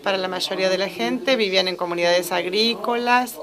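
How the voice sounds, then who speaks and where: A woman's voice: medium pitch, brisk. Woman interpreting a lecture live. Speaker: simultaneous interpreter.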